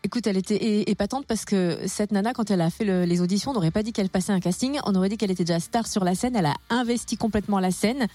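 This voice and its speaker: A woman's voice: mid-range voice, rapid-fire, hardly any pauses, mellow, no room sound, faint music behind. A woman hosting a morning radio show, bubbly and exclamatory, often laughing. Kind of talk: lively radio chat.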